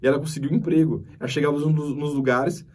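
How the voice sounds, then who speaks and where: A man's voice: a little high, steady tone, fast, a little mellow, far from the mic. Emphatic Brazilian man teaching a lesson. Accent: Brazilian Portuguese. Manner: emphatic, repeats key points. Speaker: course instructor. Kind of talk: lecture over slides.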